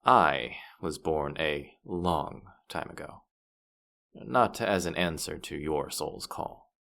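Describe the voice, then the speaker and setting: A man plays a smug demon guide of the afterlife in a fantasy audio drama. His voice sits very low with a gravelly fry, and he takes his time over each line. He is playful and teasing, quick to boast and to act wounded. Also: animated, bright, forceful tone, exaggerated voice. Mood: boastful, teasing. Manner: playful, smug, mock-offended, hesitating mid-thought. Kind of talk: scripted character audio roleplay addressed to the listener.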